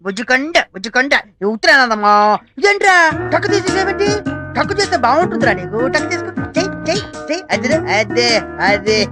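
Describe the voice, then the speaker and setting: A man acting as a fussy grocery shop owner who scolds his worker in a quick, excitable comic way, with film music behind. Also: very high-pitched. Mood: fretting. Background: film background music.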